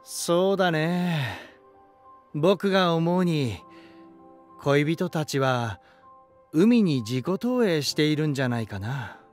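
An actor playing an elegant, romantic lighthouse spirit in a voice drama, gentle and warm, with poetic, softly teasing delivery. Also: male voice, a little high, expressive, slow, long pauses. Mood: gentle, reflective. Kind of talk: Japanese voice drama monologue and dialogue. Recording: music behind. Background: music.

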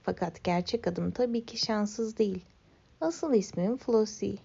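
A young woman reading a children's story in the first person as a small lonely monster, in a gentle, wistful tone. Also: mid-range voice, measured pace, creaky, slightly rough, highs cut off.

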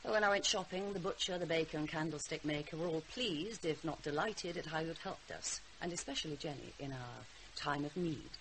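A woman's voice: low-pitched, a little fast, hardly any pauses, fairly bright tone, rough recording. An actress playing a weary, sarcastic mother with a dry, brittle manner in a naturalistic radio drama. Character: weary, sarcastic mother of a rebellious teenage girl. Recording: hissy radio drama recording.

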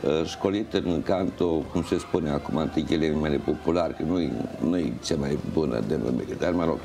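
An older man being interviewed in a TV studio, explaining things in a halting, measured way. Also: extremely low pitch, warm tone. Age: older, around 60s. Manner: halting, measured, pausing mid-phrase. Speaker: interview guest, folk festival organizer and juror. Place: indoor TV studio. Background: music playing.

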